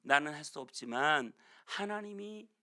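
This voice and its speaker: A male pastor preaching a sermon, telling a story with lively delivery and acting out the people he quotes. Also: on the high side, unhurried. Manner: animated storytelling, acts out quotes. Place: church sanctuary.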